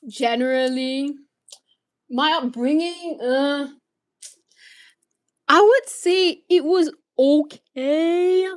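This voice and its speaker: A teenage woman from Malaysia chats on her stream, her voice sitting a bit high. She rambles through viewer questions, restarting her sentences and swearing casually.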